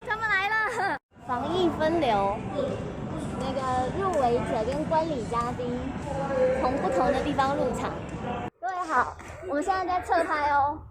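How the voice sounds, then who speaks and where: Excitable high-voiced Taiwanese woman vlogging. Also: moderate pace. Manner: excitable, exclaiming, chatty. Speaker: vlogger, voice actress. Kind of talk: casual live vlog commentary. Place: busy public event venue. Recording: loud crowd and music, busy venue. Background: loud crowd chatter and music.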